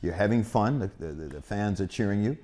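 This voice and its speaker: Male interviewer, lowish voice, friendly and chatty. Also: a little mellow. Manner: friendly, prompting questions, quick to laugh. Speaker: sports show host. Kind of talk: interview hosting.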